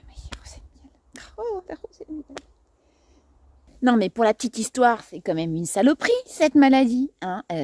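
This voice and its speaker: A woman's voice: fairly high pitch, a little mellow, dry recording. A woman hosting a casual gardening video outdoors, chatty and playful, tripping over words and laughing at herself. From France.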